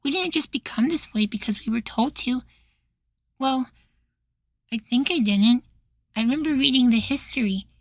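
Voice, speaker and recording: A man voicing a cheerful, naive young boywife in an intimate ASMR roleplay, soft, doting and chatty. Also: very high-pitched, normal speed, vocal fry, long pauses, no room sound, studio quality. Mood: musing.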